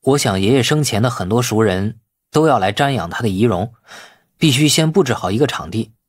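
A man's voice: mid-range voice, animated, fairly quick, husky. A man voicing an eager, obliging young nephew in audiobook dialogue of a city drama. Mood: eager, confident.

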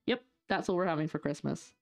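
Young scottish woman w a slight lisp, kinda low voice, sarcastic little jokes to chat while cooking. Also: quick pace, gravelly. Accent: light Scottish, partly English-sounding. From northeast Scotland. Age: young adult. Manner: chatty, jokey, sarcastic asides to chat. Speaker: cooking streamer. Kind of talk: casual live-stream chat while cooking. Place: home kitchen, indoors.

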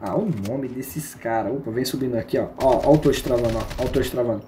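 A man's voice: medium pitch, quick pace, warm tone, a little hiss or hum. A man with a Brazilian Portuguese accent streaming a shooter game, giving slangy, joking live commentary and teasing his viewers.

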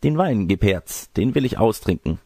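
A man's voice: fairly low pitch, animated, normal speed, creaky, mellow, breathy edge, dry recording, clean studio sound, voice pushed up, heavily acted. A man voicing a lecherous wolf-sorcerer who poses as a grandmother in a storybook tale, by turns testy, wheedling and smug. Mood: greedy, leering. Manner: wheedling, boastful, crude. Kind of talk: storybook character reading.

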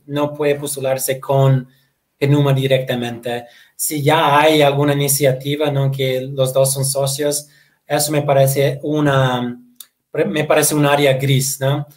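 A man in his thirties whose first language is Portuguese, answering webinar questions on a video call, hesitant, repeating words and ending phrases with tag questions. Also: fairly high pitch. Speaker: guest presenter. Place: home room, indoors.

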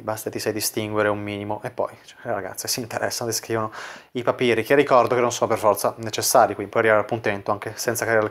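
Casual man coaching on dating chats. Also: on the low side. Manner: casual, full of "quindi" fillers. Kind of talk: explaining chat screenshots to viewers.

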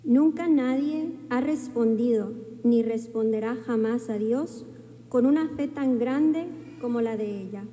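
Dark-voiced woman reading at a lectern. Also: on the high side, a little slow. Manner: calm, formal reading. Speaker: lector. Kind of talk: reading Mass introduction. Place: large church, at a lectern. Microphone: lectern microphone. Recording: long church reverb.

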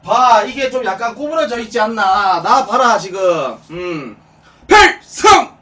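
A man's voice: high voice, lively intonation, a little slow, pushed and bright. A young man acting as a drill sergeant in a streamed comic military training, giving commands and stern corrections in a small room. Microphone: room mic a few steps away. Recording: distant room mic, music underneath.

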